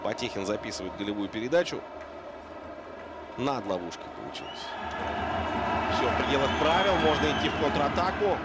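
A man calling ice hockey play-by-play as a partisan home-team commentator, moving between subdued and excited delivery. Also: medium pitch, fairly quick, pauses often. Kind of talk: live sports play-by-play commentary. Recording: loud arena noise behind the voice. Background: noisy hockey arena.

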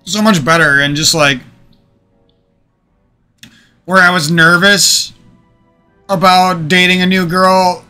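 A gaming streamer with a high voice talks slowly to his viewers through a desk microphone at home, pausing often and keeping a fairly even intonation. His tone is pushed, bright and smooth as he rambles profanely about past relationships, restarting again and again, with faint music behind him.

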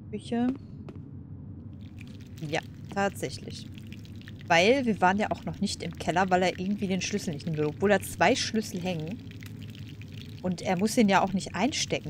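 Low-voiced woman chatting through a game. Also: background noise. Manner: chatty, musing aloud. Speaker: gaming host. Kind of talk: casual let's play commentary.

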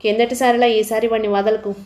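A woman reading an audiobook voices a gruff male uncle figure giving advice mid-fight. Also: sits high, little pitch movement, quick pace, a little mellow, natural voice.

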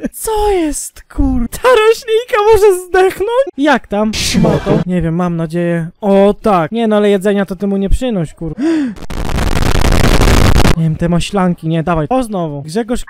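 A man streaming games, reacting with constant swearing, laughter and excited shrieks. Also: sits high, measured pace, heavy background noise. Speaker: gaming streamer. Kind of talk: reactive gameplay commentary.

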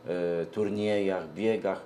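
A middle-aged man answers interview questions hesitantly, pausing often mid-sentence. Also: sits low, steady tone, dark tone, a little hiss or hum. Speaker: event organizer, interview guest. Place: TV studio, seated at a glass desk. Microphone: lapel mic.

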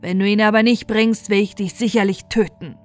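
A woman's voice: mid-range voice, steady tone, a little fast, soft background music, natural voice. A woman voicing a cruel, commanding male sorcerer in a fairy tale, stern and threatening. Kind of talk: fairy tale storybook reading.

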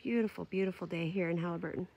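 A woman's voice: on the low side, steady tone, racing, creaky, darkish tone, husky, faint music behind. A woman giving a casual, chatty camping vlog tour outdoors, with easy laughs and lots of fillers. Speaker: camping vlogger. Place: outdoors at a lakeside forest campsite.

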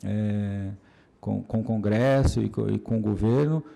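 A man answering at a public meeting in a halting way, with many restarts. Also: lowish voice, gravelly, mellow.

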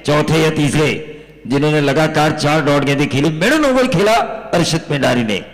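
A man commentating on a cricket match, his voice sitting fairly high and pushing hard on his points with rhetorical questions. A long reverb trails behind every phrase, as if the feed runs through a large hall. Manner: rhetorical, emphatic, quotes film dialogue for flair. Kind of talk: live Hindi cricket commentary.

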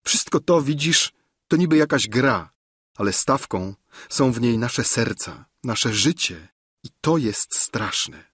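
A man reading aloud the impassioned, pleading lines of a despairing young woman in love, in a husky voice. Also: mid-range voice, animated, slow, a bit bright, dry recording, studio quality, full character voice. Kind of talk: audiobook reading of a classic novel.

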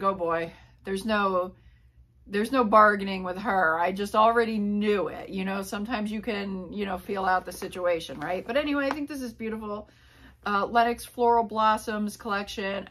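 In a small indoor room, a woman in her forties from Pennsylvania, USA, talks to camera about what she found at the flea market, wandering off into asides and leaning on fillers. As a reseller vlogger doing a casual haul chat, she speaks at a normal speed in a medium-pitched, fairly bright tone. A camera on a tripod a few feet away picks her up.

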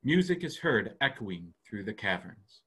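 A man's voice: lowish voice, big pitch swings, unhurried, a bit bright, breathy edge. A man reading stage directions as scripted narration.

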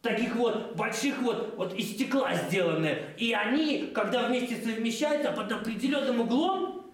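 An actor playing a cheerful know-it-all clown on a children's TV show, explaining eagerly with lots of fillers. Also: male voice, extremely high pitch, lively intonation, normal speed. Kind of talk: playful children's TV banter. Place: indoor TV studio set. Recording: roomy studio set, mic at a distance.

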